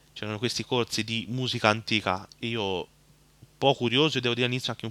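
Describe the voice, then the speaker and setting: A man's bright, sharp tone at a medium pitch. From Tuscany, Italy (Arezzo province). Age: 20s. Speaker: baroque oboist. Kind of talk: interview. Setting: radio studio.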